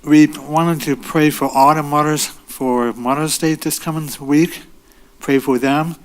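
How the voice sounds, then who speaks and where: Flat-voiced man saying a halting prayer. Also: a little high, rough recording. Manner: halting, repetitive phrasing. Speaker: resident giving the invocation. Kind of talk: spoken prayer. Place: council chamber.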